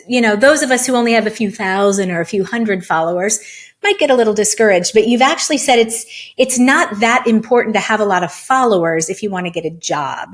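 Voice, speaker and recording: A woman hosting a podcast interview, posing measured, scripted questions with casual asides. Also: medium pitch. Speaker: podcast host.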